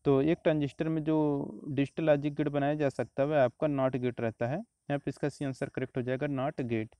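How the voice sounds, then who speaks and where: A man, teaching exam questions step by step in a steady, explanatory way. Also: medium pitch, a little fast, clean tone, dry recording. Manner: steady explanatory, repeats answers, frequent "तो देखिए" and "आपका".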